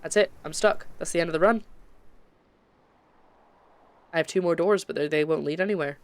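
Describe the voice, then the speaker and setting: A woman's voice: sits low, racing. Chatty Scottish woman streaming a game. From Scotland. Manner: chatty, rambling, with frequent self-interruptions. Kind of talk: casual chat while live-streaming a game.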